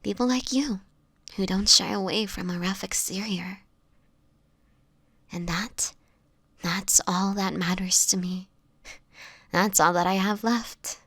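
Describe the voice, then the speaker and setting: A woman playing a sickly, homeless vampire in an intimate audio roleplay, speaking softly and haltingly, often in a whisper, with formal old-fashioned wording and gentle melancholy. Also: medium pitch, dry recording. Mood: wistful, tender. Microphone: close microphone, dry.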